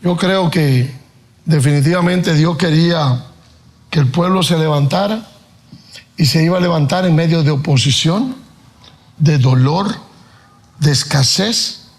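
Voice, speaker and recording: A man's voice: fairly high pitch, unhurried, long pauses. A male pastor preaching a sermon, asking pointed questions and reading scripture aloud. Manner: preaches with rising, emphatic questions and Bible reading.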